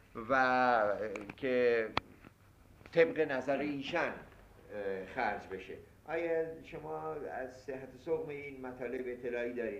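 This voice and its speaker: The speaker goes very slowly with long, frequent pauses, over noticeable background noise and audible room echo. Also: man, big swings in loudness. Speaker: oral history interviewer. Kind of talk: oral history interview. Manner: formal.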